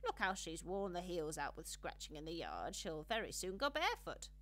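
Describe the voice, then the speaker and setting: A woman's voice: on the low side, very animated, moderate pace. A woman voicing a small stout female hedgehog washerwoman in a storybook, humble, fussy and deferential, like a busy country servant. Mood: fussy, chatty.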